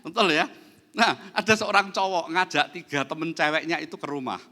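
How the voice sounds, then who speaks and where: A middle-aged male pastor, preaching a lively sermon and acting out dialogue in his stories. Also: a little high, moderate pace. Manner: animated, acts out dialogue in anecdotes. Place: large church hall. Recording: church hall with long reverb.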